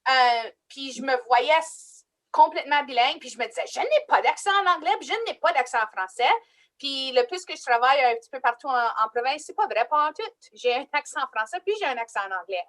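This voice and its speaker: A woman's voice: high voice, animated, fairly quick, fairly bright tone. A woman moderating a casual panel discussion. She speaks emphatically and repeats her key phrases.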